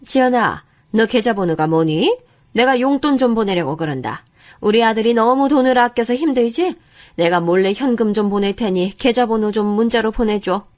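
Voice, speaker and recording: A woman voicing a stingy, sly mother-in-law in her sixties or older, talking in a drawn-out, coaxing way. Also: a little high, lively intonation, a little mellow, close to an everyday voice.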